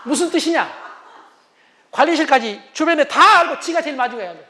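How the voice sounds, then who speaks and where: A man giving a humorous lecture on couples' communication, animated and acting out what spouses say. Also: very high voice, brisk. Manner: animated, acts out spouses' lines.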